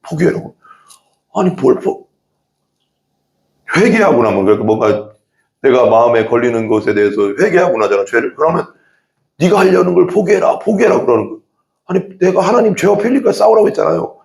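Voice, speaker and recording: A male pastor preaching an animated sermon in a church, acting out quoted prayers and voices. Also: mid-range voice, a little fast, vocal fry, roomy sound. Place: church sanctuary.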